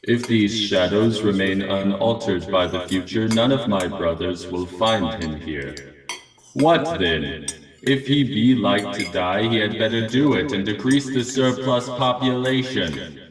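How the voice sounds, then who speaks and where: Guy doing a grave christmas ghost, stern but kind, slow talker, roomy far-off mic with dishes clinking. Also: on the low side, lively intonation, over music. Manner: measured, formal, grave. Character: solemn, kindly but stern male Christmas spirit. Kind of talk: radio play acting of a Victorian tale.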